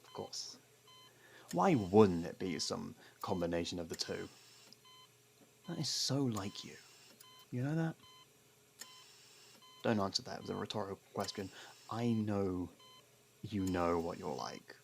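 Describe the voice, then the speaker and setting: Guy playing a snarky criminal partner in asmr roleplay, low gravelly voice, scolding but secretly worried, bit noisy recording. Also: expressive, heavily acted. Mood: angry, frustrated. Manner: exasperated, scolding, halting pauses, swearing.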